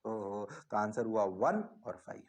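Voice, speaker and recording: A man teaching physics in an online class, energetic and coaxing, repeating prompts to his students. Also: lowish voice, slow pace, roomy sound.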